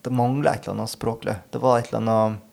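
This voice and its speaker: A man, an author and podcast guest, speaking in a thoughtful, halting way and often searching for his words. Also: mid-range voice, little pitch movement, gravelly, darkish tone. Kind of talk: reflective interview talk.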